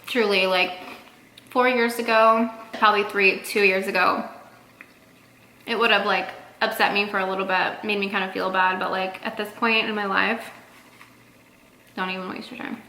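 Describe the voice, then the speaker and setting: Woman vlogger, 30s, casual and chatty, fillers everywhere, bright voice in a roomy space. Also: medium pitch, flat delivery, moderate pace. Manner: chatty, many fillers, eats while talking. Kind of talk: casual talk to camera. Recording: echoey room with faint noise.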